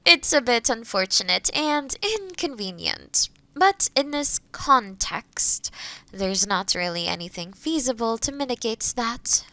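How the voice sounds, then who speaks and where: A woman playing a kind forest witch in a roleplay audio drama, explaining things gently and thoughtfully to the listener. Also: a little high, very animated, measured pace, dry recording, exaggerated voice. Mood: wryly amused.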